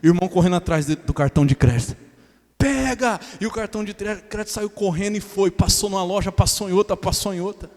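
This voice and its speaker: A man's voice: sits high, very fast, hardly any pauses, darkish tone, in a large hall. A man with a Brazilian Portuguese accent preaching a sermon as a pastor, mixing joking asides with earnest preaching. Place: church hall.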